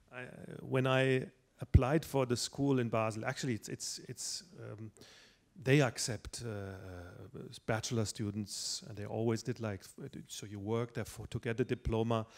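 Against a quiet background, a man with a German accent talks at a fairly slow pace, his loudness swinging widely while his pitch varies in an ordinary way. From Germany. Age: 40s. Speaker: classical singer. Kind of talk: public conversation. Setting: stage with audience. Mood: relaxed, anecdotal, humorous. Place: hall. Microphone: handheld.

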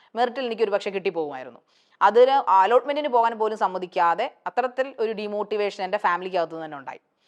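With lively intonation and big swings in loudness, a woman talks in an ordinary speaking voice. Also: medium pitch for a woman. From Kerala, Alappuzha. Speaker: TV anchor. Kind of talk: interview.

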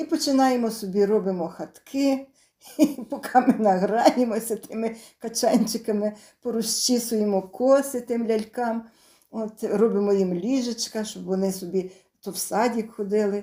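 A woman's fairly high pitch with an ordinary speaking voice, at a fairly slow pace with ordinary pitch variation. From Khmelnytskyi region, Ukraine. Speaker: dialect informant. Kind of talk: interview answer, reminiscence.

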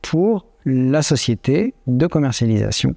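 A man with a dark, mellow tone at a very slow pace over a quiet background. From France, Charente (Cognac region); France. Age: 40s. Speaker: cognac producer and winegrower. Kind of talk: interview. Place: shop. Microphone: lapel.

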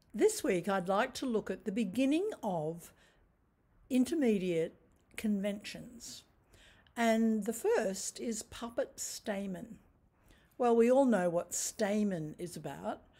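Very slowly and with long, frequent pauses, a woman speaks in a somewhat breathy voice. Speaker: bridge teacher. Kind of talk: lecture. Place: home room. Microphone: webcam.

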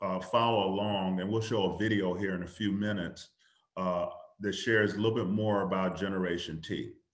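In a quiet background with audible room echo, a man speaks at a moderate pace, his pitch fairly low and his intonation fairly even. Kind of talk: webinar talk. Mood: encouraging, earnest. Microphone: video call.

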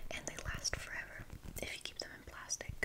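A whispered voice keeps a moderate pace while noticeable background noise carries on. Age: 20s. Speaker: ASMR creator. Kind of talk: ASMR whispered ramble. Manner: whispered, soft-spoken.

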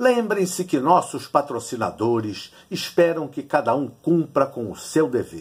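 Against a quiet background, a man with a Brazilian accent speaks very slowly in a somewhat breathy voice, his pitch swinging very widely. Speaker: poet and satirical commentator. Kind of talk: satirical pep talk, mock coach's speech rallying athletes with numbered commands. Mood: ironic, declamatory. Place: home room. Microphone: phone near.

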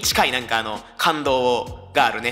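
A man at a moderate pace with a Kansai accent, faint music in the background. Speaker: virtual streamer. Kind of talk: casual livestream talk. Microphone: studio mic.

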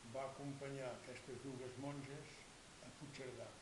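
A man talks fairly slowly while noticeable background noise carries on. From Catalonia, Spain. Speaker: former anarchist resistance fighter and bookseller. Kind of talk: interview answer. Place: home room.

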